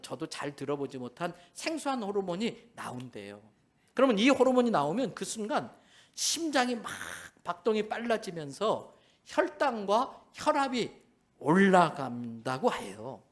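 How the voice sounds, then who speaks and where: Animated male pastor preaching. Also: a little high. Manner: animated, acting out dialogue with swings in loudness. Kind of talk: sermon. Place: church service.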